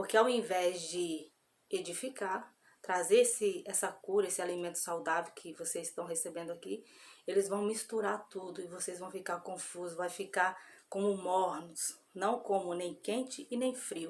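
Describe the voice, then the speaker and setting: A woman has a plain, everyday voice with ordinary pitch variation. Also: medium pitch for a woman, moderate pace. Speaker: bible teacher. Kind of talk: sermon.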